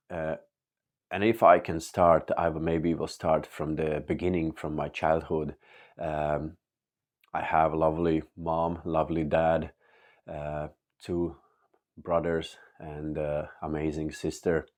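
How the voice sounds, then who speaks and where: A man from Latvia sharing a personal faith testimony in earnest, halting English with many pauses. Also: rumbling low, darkish tone. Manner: earnest and open. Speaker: church member giving testimony.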